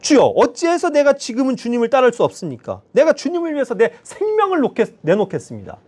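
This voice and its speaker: A man's voice: extremely high pitch, wildly swooping pitch, quick pace, a little mellow, pitched above the performer's own voice, exaggerated voice. A man voicing the impulsive, boastful male disciple Peter, eager and protesting, as an acted quote in a sermon.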